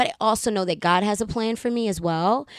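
In an American accent, a bubbly voice with ordinary pitch variation moves at a fairly quick pace on a very clean recording with a silent background. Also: woman. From Baltimore, US. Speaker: actress and comedian. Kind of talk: casual chat.

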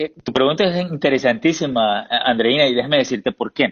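The speaker is a man. His pitch is fairly high. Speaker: immigration lawyer. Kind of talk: interview.

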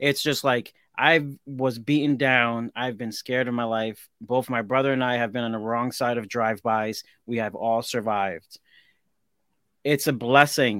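Recorded very cleanly against a silent background, a man with a plain, everyday voice talks at a moderate pace, at a medium pitch and with fairly even intonation. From Hartford, Connecticut. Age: 40s. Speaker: woodworker and restoration craftsman. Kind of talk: casual interview.

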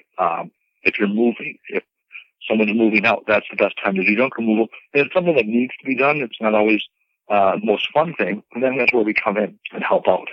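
With an American accent, a man uses an ordinary speaking voice at a medium pitch with ordinary pitch variation. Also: fairly quick pace. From Wisconsin, Milwaukee. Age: 30s. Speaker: small business owner, military veteran. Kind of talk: radio interview. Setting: phone call.

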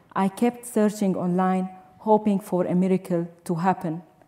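A woman speaks with an Arabic accent at a fairly slow pace. Her medium-pitched voice has a dark, mellow tone and fairly even intonation. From Syria. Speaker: violinist and refugee. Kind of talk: prepared speech. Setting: stage with audience.

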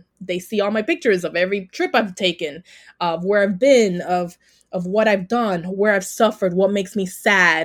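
In a Dominican accent, a woman speaks with an animated tone at medium pitch and a moderate pace, recorded very cleanly against a silent background. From Dominican Republic. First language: Spanish. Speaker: Spanish teacher. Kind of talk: casual interview. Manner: animated, laughs often.

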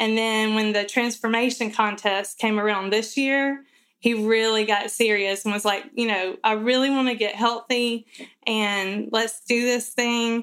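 The recording is very clean, with a silent background. A woman speaks fairly slowly at a fairly high pitch, her intonation monotone and flat. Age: 30s. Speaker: homeschooling mother, program member. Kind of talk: casual interview.

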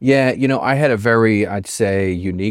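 A man at a moderate pace with ordinary pitch variation, in a dry, close sound with no echo and a very clean recording against a silent background. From New Jersey. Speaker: accountant. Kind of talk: interview. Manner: halting.

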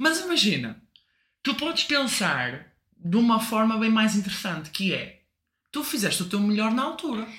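Audible room echo surrounds a woman whose fairly high voice moves in very wide pitch swings at a moderate pace. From northern Portugal, Famalicão. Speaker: volleyball player and physiotherapist. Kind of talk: casual interview.

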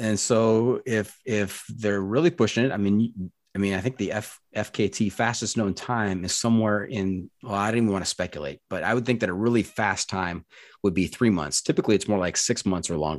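At a moderate pace, a man with an American accent speaks in an unremarkable speaking voice, fairly low in pitch with ordinary variation, against a quiet background. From United States. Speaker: podcast host. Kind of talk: casual chat.

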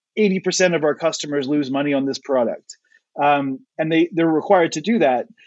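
A man with a Canadian accent and a fairly high pitch talks at a moderate pace in a normal speaking voice. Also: ordinary pitch variation. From Canada. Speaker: fintech founder and CEO. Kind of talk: panel discussion. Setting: video call.

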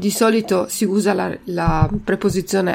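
Vocal fry marks this woman's medium-pitched voice. Her intonation is monotone and flat. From Italy. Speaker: Italian language teacher. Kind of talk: language lesson podcast. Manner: slow, clear teaching pace.

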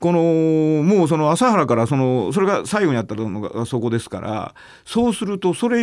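Against a quiet background, a man with a fairly high voice speaks at a moderate pace, his pitch swinging very widely. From Japan, Kochi Prefecture (Aki). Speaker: nonfiction writer. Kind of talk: radio interview. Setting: radio studio.

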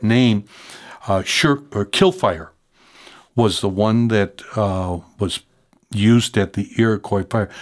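Very slow and fairly even in intonation, a man with an American accent and fairly low pitch speaks on a very clean recording with a silent background. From Chicago. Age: 70s. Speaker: fire department chaplain and priest. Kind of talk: casual interview. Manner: halting.

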